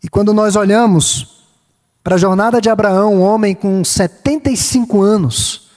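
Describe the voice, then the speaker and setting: A Brazilian pastor with a Minas Gerais lilt delivers a sermon in a high, ringing tenor. He builds slow lists of phrases and lifts his voice on the words he wants to stress. The sound carries a long tail of reverb from a large church hall. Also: darkish tone. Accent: Brazilian Portuguese, Minas Gerais. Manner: measured preaching, lists in slow cadence, rising emphasis on key phrases.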